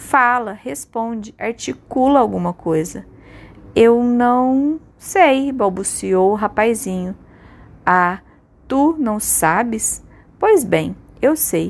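Dramatic in tone, a woman with a fairly high voice speaks very slowly with lively intonation and long, frequent pauses. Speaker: audiobook narrator. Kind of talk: dramatic audiobook narration. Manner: dramatic, expressive, voicing characters' outbursts.

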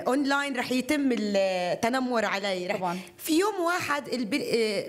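A woman with a Jordanian accent and lively intonation. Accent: Levantine Arabic (Jordanian). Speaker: TV director and writer; guest. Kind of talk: panel discussion. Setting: stage with audience. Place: stage.

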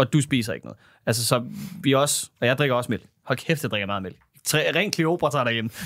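A man rattles along at a very fast speed, his intonation lively, with a quiet background behind him. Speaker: podcast co-host. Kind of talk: casual chat. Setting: studio. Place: studio. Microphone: new microphones; studio mic.

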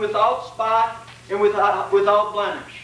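A man is talking in a room with strong echo. Light background noise can be heard. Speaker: lecturer. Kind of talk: lecture. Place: hall. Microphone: camera far.

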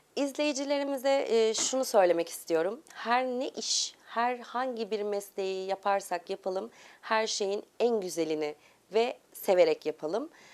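Fairly slow in pace, a woman speaks at a fairly high pitch. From Istanbul, Turkey; Turkey. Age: 30s. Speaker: social compliance auditor; guest. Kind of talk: interview; interview answer. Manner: hesitant, frequent filler sounds. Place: studio. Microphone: lapel.

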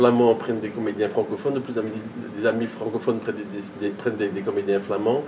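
A man's voice over noticeable background noise. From Belgium, grew up in Germany. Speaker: film director; panelist. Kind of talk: panel discussion. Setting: stage with audience. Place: hall.

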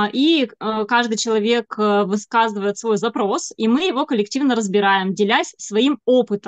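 A woman's fairly high voice at a moderate pace, with ordinary pitch variation, a dry sound with no echo, and a quiet background. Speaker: decluttering coach and marathon host; decluttering coach, marathon host. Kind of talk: interview. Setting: video call. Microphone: webcam.

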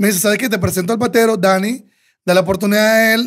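High-pitched male speech with fairly even intonation against a quiet background. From Nicaragua. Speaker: rock band singer; podcast guest. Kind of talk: casual chat. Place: studio. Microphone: studio mic.

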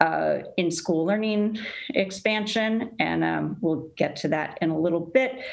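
This is a plain, everyday voice, a woman's, fairly low in pitch with ordinary pitch variation. She speaks at a fairly slow pace over a quiet background. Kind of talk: meeting chairing remarks. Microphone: video call.

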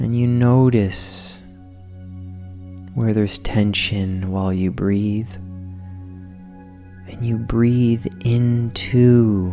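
A man speaks at a very slow pace in a fairly low pitch, with fairly even intonation and music playing in the background. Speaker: meditation guide. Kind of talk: guided meditation. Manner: slow, soft-spoken.

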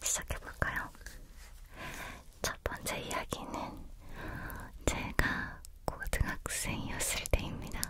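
A soft-spoken woman whispers. She goes at a very slow pace. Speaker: ASMR storyteller. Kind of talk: casual storytelling chat. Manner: soft close-mic ASMR whisper. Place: home room. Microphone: studio mic.

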